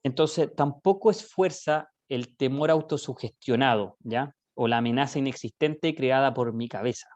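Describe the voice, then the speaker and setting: A man with a Chilean accent giving an online law lecture, explaining with everyday examples, often pausing on "eh" and checking in with "¿ya?". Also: medium pitch, darkish tone, no echo, lo-fi sound.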